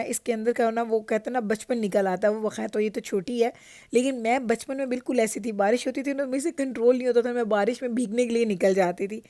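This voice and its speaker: A middle-aged woman with a Pakistani Urdu accent narrates a casual home vlog from Canada, chatting, telling stories, and laughing often. Her fairly high voice is warm, captured in a dry recording with clean studio sound.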